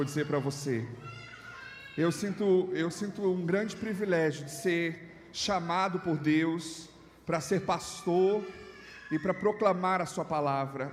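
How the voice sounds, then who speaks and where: Room echo is audible as a man speaks at a high pitch with ordinary pitch variation. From Brazil, raised in Ceará (born São Paulo). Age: 30s. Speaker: pastor. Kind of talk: sermon. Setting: church service.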